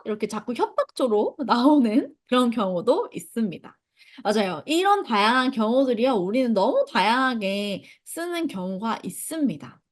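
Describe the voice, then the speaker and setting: Woman, parenting instructor, high and animated voice, acts out what parents say and reads chat comments back to the group. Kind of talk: online parent education lecture.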